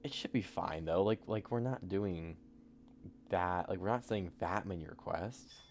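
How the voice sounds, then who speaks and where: A young man streaming while he codes, talking casually into a desk mic, halting and soft-spoken with a slightly raspy voice. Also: low voice, slight background noise. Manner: halting, many restarts and fillers, soft-spoken. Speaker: streamer, software developer. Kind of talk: casual live coding chat. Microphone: desk microphone.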